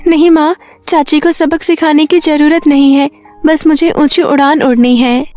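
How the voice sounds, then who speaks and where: A meek young orphan girl from a storybook, acted by a woman. Her voice is very high, plaintive and pleading, tearful in its sorrow. Faint music plays behind her. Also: fairly even intonation, moderate pace, darkish tone, close to an everyday voice. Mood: gentle, hopeful.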